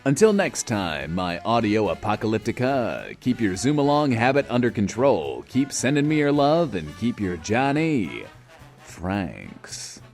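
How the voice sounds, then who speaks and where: Showy post-apocalyptic radio host, folksy, lowish pitch, lively intonation, audio drama. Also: male voice, unhurried, faint music behind. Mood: folksy sign-off.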